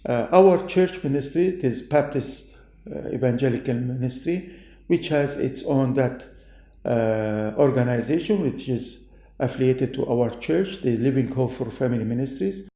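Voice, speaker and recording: In a reverberant room, a man with a Middle Eastern accent gives testimony in an interview. His voice is mellow with a gravelly creak. He speaks non-native English in halting, deliberate phrases. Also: medium pitch, expressive. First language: not English. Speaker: pastor and doctor being interviewed. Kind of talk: interview answers, personal testimony. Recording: echoey room.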